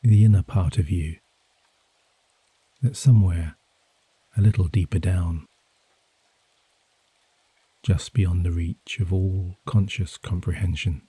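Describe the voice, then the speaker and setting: A soft-spoken man guiding a sleep hypnosis session in a hushed, soothing, measured way with gently drawn-out phrases. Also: deep voice, husky, no room sound. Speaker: hypnosis and meditation guide. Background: gentle rain sounds.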